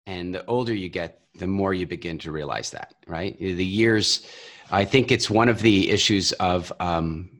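A man guest on an interview, telling parenting stories in a casual, animated way and often repeating words as he starts. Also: deep voice, a little slow. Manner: animated storyteller, acts out voices. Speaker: guest, parenting and business coach.

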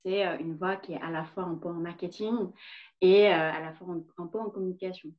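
A woman in her thirties speaks French with a Vietnamese accent, her voice sitting fairly low. She talks hesitantly, filling gaps with many fillers and restarting phrases. The recording sounds dull and lo-fi. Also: fairly even intonation, a little fast. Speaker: guest. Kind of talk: personal story in a podcast interview.

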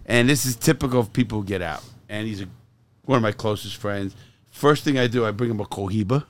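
A man hosting a casual podcast in an RV, a loud, laughing storyteller who jokes and swears freely. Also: on the low side, a little fast. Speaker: podcast host. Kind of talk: casual chat.

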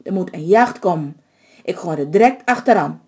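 A woman's voice: fairly low pitch, lively intonation, normal speed, mellow. A woman doing a stubborn young officer. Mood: determined. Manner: blunt, obstinate. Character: determined young man, stubborn justice officer.

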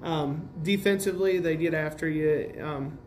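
A man with an American accent and a slightly high voice talks as a basketball coach being interviewed. His wording is plain and casual as he analyzes play. There is some noise in the recording. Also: moderate pace. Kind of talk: interview answers, game analysis.

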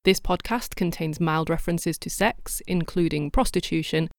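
A woman's voice: fairly low pitch, moderate pace, no echo. A woman hosting a podcast, delivering scripted documentary narration with dry, wry asides. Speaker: podcast host.

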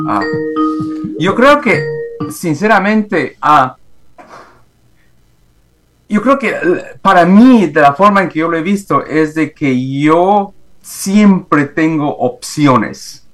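A middle-aged man from Guatemala, speaking with a Guatemalan Spanish accent on a video call from home, telling his story haltingly with many fillers and restarts. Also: on the high side, a bit bright. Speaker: guest, executive coach. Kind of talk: remote interview, reflective storytelling. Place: home, in the morning.

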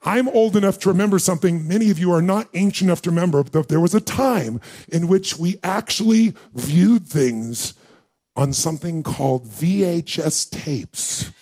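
Middle-aged male speaker, high pitch, punchy live-seminar storyteller who acts out dialogue and questions the room. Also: lively intonation, normal speed, mellow, husky. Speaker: motivational speaker.

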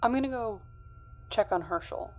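A woman's voice: mid-range voice, lively intonation, moderate pace, music in the background, close to an everyday voice. A woman playing a tough, skeptical character in a noir audio drama, speaking in a dry, curt, sardonic way.

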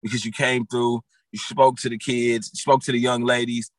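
A man's voice: medium pitch, little pitch movement, normal speed, no room sound. A man in his thirties, a guest and football coach, talking casually on a podcast with many fillers and restarts. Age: 30s.

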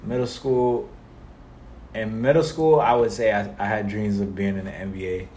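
A young man from South Florida, a guest music artist talking about his life in a relaxed interview, with many fillers. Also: lowish voice, moderate pace, a little hiss or hum. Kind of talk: casual interview conversation.

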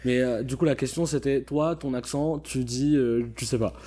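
This is a young man hosting a casual chat, with a relaxed, chatty way of talking. His voice is mellow and warm. He leans on fillers while he steers the conversation. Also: medium pitch, moderate pace. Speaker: host.

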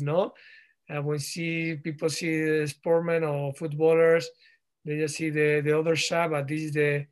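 A man in his thirties speaks English with a Spanish accent, in a fairly high voice. He answers interview questions slowly, pausing often and restarting his sentences. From Spain. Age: 30s. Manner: halting, frequent ums and restarts. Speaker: guest, professional footballer.

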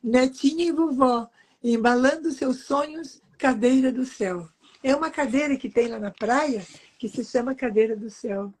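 A woman's voice: high voice, moderate pace, darkish tone, slightly rough, low-quality recording. A woman in her eighties, from Brazil, chatting in an interview as a doting grandmother who reads aloud from her books and keeps pointing at the pages. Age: 80s. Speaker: author and guest.

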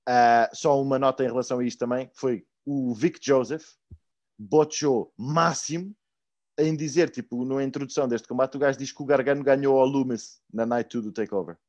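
A man's voice: mid-range voice, steady tone, moderate pace, darkish tone, no echo, dull audio. A young man chatting casually as a podcast co-host, slangy and mixing in English words and swearing. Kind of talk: casual chat.

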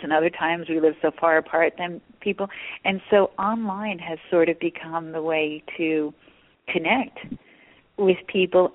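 A woman's voice: on the low side, no echo. A woman hosting an interview, enthusiastic and effusive as she asks her questions, heard over a phone-like line. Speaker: host. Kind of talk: radio interview.

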